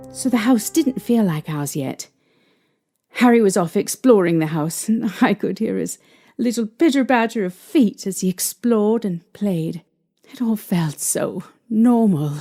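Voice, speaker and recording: A woman playing a young mother shaken by strange happenings, recalling them in a halting, hesitant way. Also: medium pitch, dark tone. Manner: hesitant, halting recollection with restarts. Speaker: interviewee recounting events. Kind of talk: fan audio drama acting. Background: faint music.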